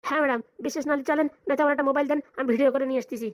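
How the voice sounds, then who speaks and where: A woman plays a shifty, fawning village sidekick in a comic cartoon, in a highish voice with a rural Bengali accent. The words tumble out very quickly, deferential and whining, in a dry recording. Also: steady tone, no echo, natural voice. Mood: insistent. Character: wheedling, flattering village lackey, comic and shifty. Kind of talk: comic cartoon voice acting, colloquial dialect.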